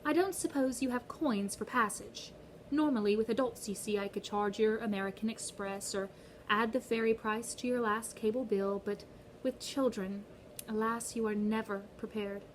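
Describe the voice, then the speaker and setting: A woman voicing Charon, a smooth, cold male ferryman of the dead with a British-tinged foreign accent, in a condescending drawl. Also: fairly high pitch, fairly even intonation, moderate pace, slight background noise, close to an everyday voice, poor audio. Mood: smug.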